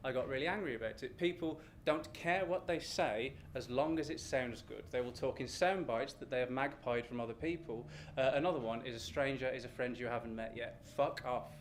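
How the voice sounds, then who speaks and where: A British man telling an animated, ranting comic story live on stage, exasperated, self-deprecating and sweary. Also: mid-range voice, brisk, hardly any pauses. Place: live storytelling event with room ambience. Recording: noisy live venue recording.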